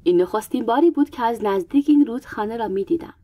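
A woman narrating a first-person story, reading calmly and measuredly, at times dropping almost to a whisper. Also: a little high, dry recording. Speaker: audiobook narrator.

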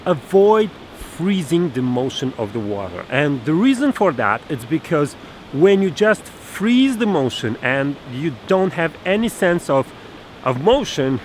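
A man in his thirties talks through a photography lesson outdoors, with a fairly high voice. He explains step by step, pausing on fillers and restarting his phrases. A rushing stream is clearly heard behind him, recorded at arm's length. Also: slight background noise, poor audio. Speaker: photography instructor. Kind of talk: outdoor tutorial to camera. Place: snowy forest stream outdoors. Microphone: camera held at arm's length. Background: rushing stream water.

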